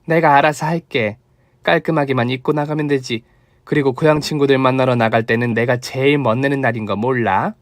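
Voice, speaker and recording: A man's voice: medium pitch, fairly even intonation, fairly quick, no room sound, studio quality, natural voice. A man voicing a thrifty, kind elderly mother-in-law who fusses and scolds affectionately. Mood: fond.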